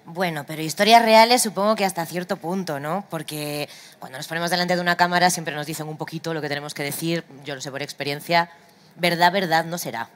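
A woman's voice: sits low, fairly even intonation, fast, a bit bright. A woman hosting a live interview on a trade fair stage, chatty and a little teasing. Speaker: host. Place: stage in a large indoor trade fair hall.

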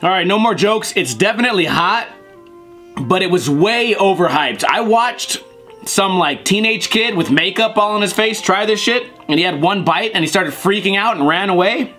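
A man's voice: high voice, animated, normal speed, bright, forceful tone, soft background music. A young man hosting a casual food review vlog from his living room couch, blunt and crude with jokey asides, recorded by a tripod camera. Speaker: host.

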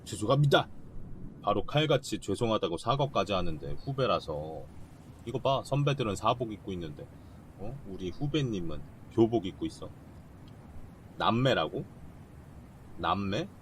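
A male game streamer chatting casually, reading dialogue aloud and reacting quickly while bantering with viewers. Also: fairly low pitch, sing-song, a bit bright, slight background noise.

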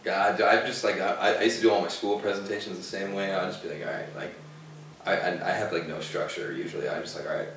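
A man's voice: low voice, fast, background noise. A young man hosting a casual podcast, hyped and profane with bro slang. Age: young adult. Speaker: podcast host. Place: living room with couch. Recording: echoey room, mic far off.

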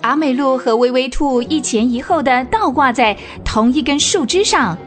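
A woman narrating a children's radio drama in an expressive storytelling manner. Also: high-pitched, moderate pace, soft background music.

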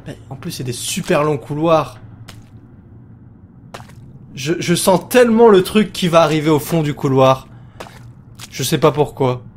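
A man commentating a horror game as he plays it, jokey and excitable, talking to himself. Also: a little high, a little slow, long pauses, a little hiss or hum. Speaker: let's play host.

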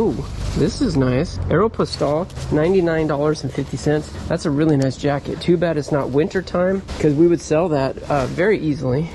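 A man vlogging casually as he sorts through a storage locker, chatty and upbeat with excited exclamations. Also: fairly high pitch. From California, USA. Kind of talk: casual chat to camera while sorting boxes. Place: outdoors at a storage unit row. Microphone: head-mounted camera. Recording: outdoor noise behind.

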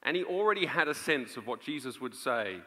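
A man in his thirties preaching an earnest, emphatic live sermon with dramatic pauses on a large auditorium stage. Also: medium pitch, very animated, pushed and bright. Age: 30s. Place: on stage in a large theatre before an audience. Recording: reverberant large auditorium sound.

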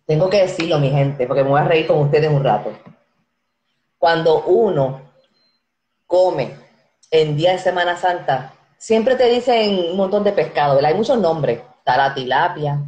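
A Dominican woman with a fairly low, Dominican-accented voice, chatting on a live stream and reading out viewers' comments. She talks into an earphone mic in a small room with an echo. Her talk is easy and friendly, and she laughs often. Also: animated, normal speed, darkish tone. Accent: Dominican Spanish. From Dominican Republic. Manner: chatty, friendly, reads names aloud and laughs easily. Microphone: earphone headset mic. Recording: echoey room.

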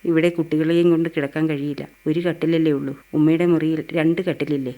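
A man's voice: fairly high pitch, level tone, a little fast, dark tone, close to an everyday voice. Man reading as a weary returning husband. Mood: subdued. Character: grown man back from years abroad, weary, steady.

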